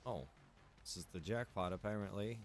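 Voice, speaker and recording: Low-voiced man chatting on a game stream. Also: normal speed, slight background noise. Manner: easygoing, chatty, addressing viewers directly. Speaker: game streamer and server admin. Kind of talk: casual live gameplay stream chat.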